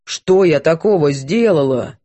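A woman's voice: sits low, expressive, unhurried, warm tone, dry recording. A woman voicing a coarse, hot-tempered cook who scolds and snaps rudely. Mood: shouting. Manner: rude, snapping, scolding.

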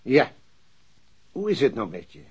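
A senior police chief in a radio drama. His husky voice moves around a lot in pitch as he talks down to a subordinate, formal yet hesitant and patronizing. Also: very animated, a little slow, a little mellow, highs cut off, heavily acted. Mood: probing concern. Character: senior police chief, awkwardly breaking bad news to subordinate.

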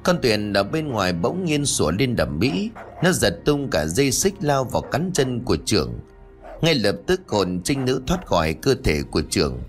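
A man's voice: on the low side, big pitch swings, moderate pace, hardly any pauses. A man narrating a ghost story in a dramatic storytelling manner. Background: faint music.

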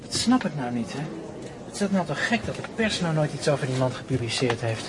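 An actor playing an amazed, admiring concertgoer, chatting in a radio play. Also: male voice, medium pitch, very animated, brisk, close to an everyday voice. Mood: puzzled. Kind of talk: Dutch radio drama acting, chatty. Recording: clearly noisy, with ambience.

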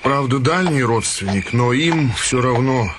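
A man's voice: mid-range voice, lively intonation, measured pace, background noise, close to an everyday voice. A man acting a timid, anxious, bookish townsman on the run in a radio play. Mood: humble, wary. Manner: polite, humble, anxious. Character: timid, bookish fugitive townsman, small, frightened, desperate.

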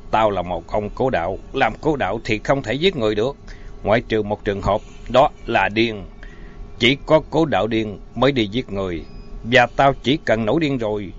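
A man voicing a big, furious male priest who growls slow, measured threats. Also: fairly low pitch, lightly acted. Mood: menacing. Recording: dull lo-fi audio, faint music.

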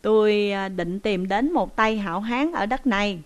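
A woman's voice: medium pitch, moderate pace, natural voice. A woman voicing a male traveler caught as a thief, who talks in an urgent, pleading way. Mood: earnest.

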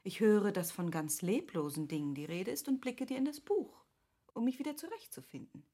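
Gracious period lady, husky voice. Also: medium pitch, sing-song, normal speed, warm tone. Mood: apologetic. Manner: polite, formal, thoughtful. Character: gracious, articulate, curious lady of Goethe's era. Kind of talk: classic German radio play acting.

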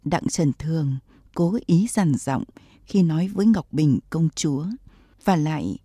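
A woman narrates a historical novel in a measured, unhurried way. Her voice is low and mellow with a breathy, husky edge. It is recorded dry and close. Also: no room sound.

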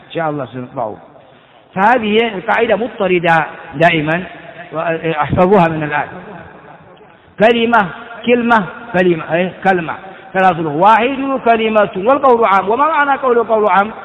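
High-voiced man teaching grammar in a hall. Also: muffled recording. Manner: explains step by step, quizzing students with questions. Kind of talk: classroom lecture on grammar. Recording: hall with long reverb.

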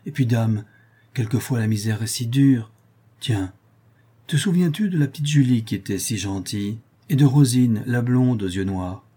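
A man's voice: mid-range voice, normal speed, slightly rough, close to an everyday voice. A man reading an audiobook aloud, voicing a cheerful, talkative young Parisian seamstress. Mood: chatty. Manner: lively, affectionate, talkative.

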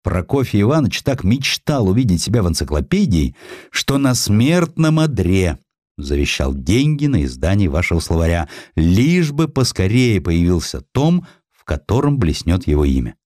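A man voicing a brash, glib gentleman visitor in an audiobook, breezy and overfamiliar in manner. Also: sits low, very animated, normal speed, dry recording, clean studio sound. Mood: smooth, jaunty.

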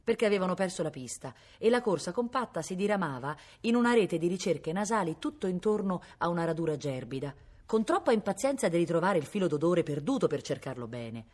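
A woman reading a novel aloud expressively, now and then mimicking animal sounds. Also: lowish voice. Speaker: reader. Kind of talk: read-aloud novel narration.

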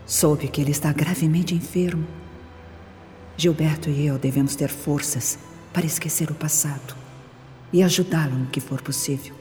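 A woman's voice: low-pitched, fairly even intonation, normal speed, mellow, close to an everyday voice. An actress playing an earnest, forgiving young mother in a radio drama, speaking with resolve. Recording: long reverberant hall, music underneath. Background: music.

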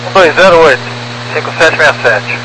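A man's voice: fairly high pitch, moderate pace, bright, forceful tone. A Brazilian man speaking as an airline pilot over the radio, giving clipped readbacks in aviation phraseology. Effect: aircraft radio transmission. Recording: noisy humming aircraft radio channel.

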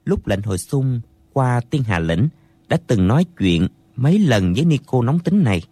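A man narrating a martial arts novel as an audiobook in an expressive storytelling manner, close to the mic. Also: mid-range voice, moderate pace, slightly rough, no echo.

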